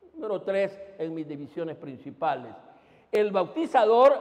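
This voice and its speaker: This man's voice is high in pitch. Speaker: pastor. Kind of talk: sermon.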